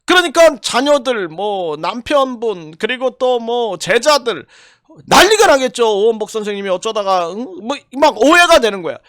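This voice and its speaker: A man's voice: very high voice, big pitch swings, moderate pace, fairly bright tone, dry recording, studio quality. An older man giving impassioned political commentary, indignant and full of rhetorical questions and repeated phrases. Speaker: YouTube commentator.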